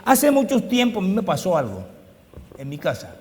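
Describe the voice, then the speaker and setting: Male pastor, sermon delivery, fairly high voice, swings from soft storytelling to loud emphasis, church-hall reverb. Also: wildly swooping pitch, moderate pace. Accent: Latin American Spanish.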